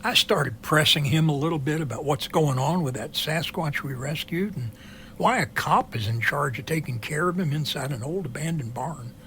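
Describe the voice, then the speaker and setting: Easygoing, nosy middle-aged pilot male actor, slightly high voice, wry chatter, faint noise behind. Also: expressive, moderate pace, a bit bright. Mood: curious. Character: easygoing, curious older helicopter pilot. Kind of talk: amateur audio drama dialogue.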